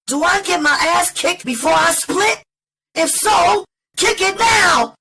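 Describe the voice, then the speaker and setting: A woman acting a high-pitched, brash young streetwalker. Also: pushed and bright, slight background noise, full character voice. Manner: emphatic, emotional, streetwise. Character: young defiant female street prostitute, brash and pleading. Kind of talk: dramatized audiobook character acting.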